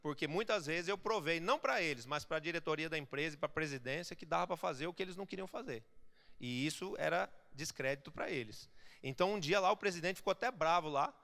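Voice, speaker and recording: Emphatic pastor preaching in a reverberant hall. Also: male voice, a little high, fast, vocal fry. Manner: emphatic preaching, swelling to loud exhortation. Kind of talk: sermon. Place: church.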